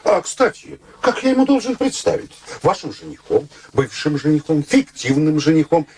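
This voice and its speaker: An actor playing a cheeky, clinging middle-aged suitor in a radio play, mock-polite, ironic and theatrical. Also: male voice, a little high, big pitch swings, moderate pace, darkish tone. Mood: teasing, jealous.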